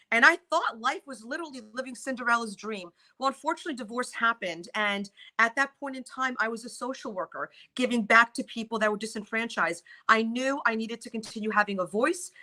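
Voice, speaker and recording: A woman's voice: a little high, bright, forceful tone. A middle-aged woman born in Poland, whose first language is Polish, speaking emphatically as a divorce lawyer guest on a morning TV talk show. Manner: emphatic, exclamatory storytelling. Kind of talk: morning TV interview.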